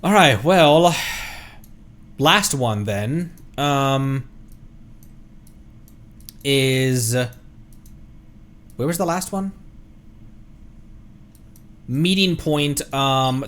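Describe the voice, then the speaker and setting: A man's voice: fairly high pitch, fairly bright tone. A man streaming a video game, chatting casually and thinking aloud as he plays. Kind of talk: casual livestream game commentary. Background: faint game music.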